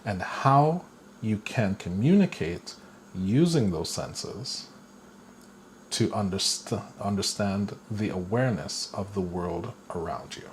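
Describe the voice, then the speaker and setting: A man giving a guided spiritual lesson, talking slowly and deliberately and chuckling now and then. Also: lowish voice, animated, a little hiss or hum. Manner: slow, deliberate, with playful chuckles. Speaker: spiritual teacher.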